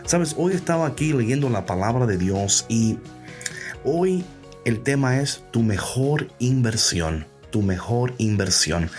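A man hosting a casual devotional podcast, lively and playful, dropping English phrases into his talk. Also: medium pitch, husky. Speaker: podcast host.

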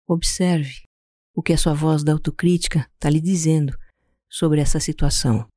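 A Brazilian-accented speaker guiding a meditation in a calm, soothing, unhurried way, leaving pauses between instructions. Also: medium pitch, no room sound, clean studio sound. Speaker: podcast host guiding a meditation. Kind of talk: slow guided meditation narration.

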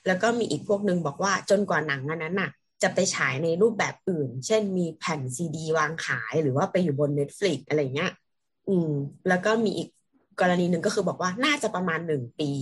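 A woman in a casual podcast chat who tells anecdotes at length in a measured way. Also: on the low side, slightly rough.

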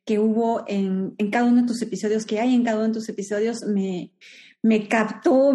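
This is a woman in her forties with a Peruvian accent, talking as an interview guest. Her voice sits a little high but sounds warm and soft. She reflects out loud, often restarting phrases and pausing on fillers. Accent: Peruvian Spanish. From Peru. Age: 40s. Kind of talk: conversational interview.

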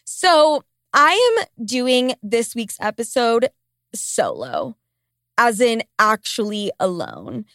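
Speaking slowly with a sing-song lilt, this stuffy-nosed woman in her late twenties hosts solo from a small basement home studio, cursing and complaining in a comic, candid, casual way. Her voice sits on the high side and is a bit bright, recorded cleanly on a close mic with no echo.

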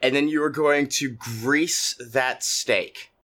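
A man's voice: on the high side, fairly even intonation, takes it slowly, sharp tone. A man co-hosting a comedy podcast, laying out a silly plan step by step. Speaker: podcast co-host. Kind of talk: improvised comedy chat.

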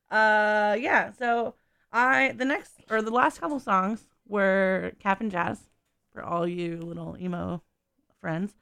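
A woman hosts a community radio show in a loose, chatty way, laughing often and losing her thread. Her voice sits at a middle pitch with a gravelly edge. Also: steady tone, slow pace, fairly bright tone, no echo. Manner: giggly, chatty, trails off often. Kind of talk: casual radio chat. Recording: radio studio.

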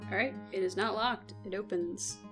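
A woman's voice: mid-range voice, normal speed, soft background music. A woman narrating as game master of a tabletop game, casual and hesitant with many fillers.

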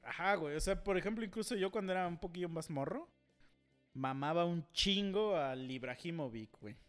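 A young Mexican man with a Mexican accent and a slightly high voice, chatting loosely on a podcast. He rambles through crude, profanity-laced stories with plenty of restarts, while faint guitar music plays in the background. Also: animated, a little fast, fairly bright tone. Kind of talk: casual chat.

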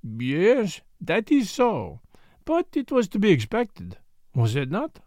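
Detective role: older, French accent, vain yet kindly, formal and theatrical, lively high-set delivery, audiobook. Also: male voice, slow pace, no echo, clean studio sound, heavily acted. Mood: wistful, reflective. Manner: formal, courteous, emphatic phrasing with inverted word order.

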